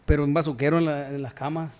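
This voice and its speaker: A man tells stories as a guest in a casual chat, his voice sitting a little high. He talks in slang and acts out both sides of every exchange. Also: steady tone, fast talker, a little mellow. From Culiacán, Sinaloa, Mexico. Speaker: guest musician.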